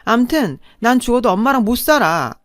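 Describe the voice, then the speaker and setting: A woman voicing a pampered, selfish elder sister who talks in a low, sulky whine. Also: expressive, moderate pace, dry recording, clean studio sound, close to an everyday voice. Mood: whining.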